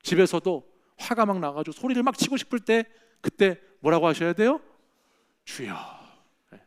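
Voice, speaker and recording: Higher-voiced man preaching a sermon. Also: expressive, fairly quick, clear, resonant tone. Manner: conversational preaching, frequent "예?" checks with the congregation. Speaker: pastor. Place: church sanctuary.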